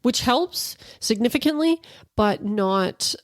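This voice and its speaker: A woman's voice: on the high side, lively intonation, takes it slowly, no echo. A woman in her forties hosting a casual solo podcast, a little stuffed up from allergies, chatty and rambling with fillers and restarts. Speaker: podcast host.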